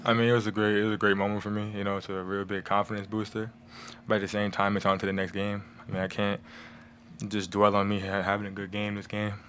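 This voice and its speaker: A young man, a first-year college basketball player, giving relaxed postgame answers at a table mic in a press room. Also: on the low side, fast, slight background noise. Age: young adult. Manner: laid-back, relaxed, repeats "I mean". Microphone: table mic on stand.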